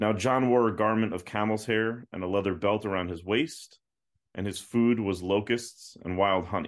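A man with an ordinary speaking voice and fairly low pitch keeps a moderate pace and fairly even intonation. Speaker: pastor. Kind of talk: theological discussion.

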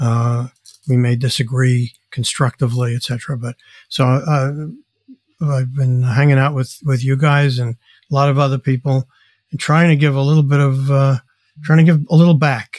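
A somewhat breathy voice talks at a moderate pace with monotone, flat intonation. The sound is dry and close with no echo. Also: man, medium pitch for a man. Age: 70s. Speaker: psychologist and author. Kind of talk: casual interview. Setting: video call.

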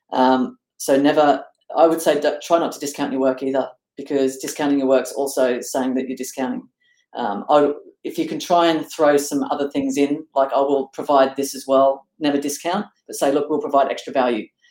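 Fairly quick speech from a man with an Australian accent, fairly high in pitch, with fairly even intonation. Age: 40s. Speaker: design and branding agency owner. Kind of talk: interview.

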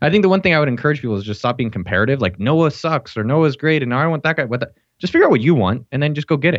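A man with a plain, everyday voice speaks at a fairly high pitch. His intonation is lively, and the background is quiet. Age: 30s. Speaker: entrepreneur. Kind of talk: casual chat.

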